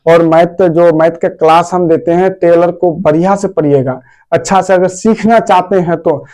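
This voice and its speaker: A man's voice: sits high, steady tone, moderate pace, darkish tone. A man teaching a casual grammar lesson, talking to his pupils in a fatherly, repetitive way and asking and answering his own questions. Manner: fatherly, repetitive, addresses students as dear children.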